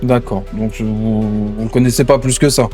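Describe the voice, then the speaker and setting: A man's voice: medium pitch, steady tone, brisk. Pressing, hesitant male gamer with faint music behind. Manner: hesitant, repetitive, pressing questioner. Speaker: role-play gamer playing an interrogator. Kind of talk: improvised online role-play dialogue.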